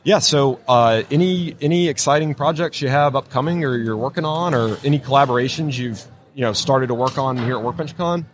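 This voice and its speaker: A man's voice: medium pitch, a little fast, few pauses, a little hiss or hum. A man hosting a podcast interview at a convention, enthusiastic and rambling, with many restarts and fillers. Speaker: podcast host. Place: convention floor.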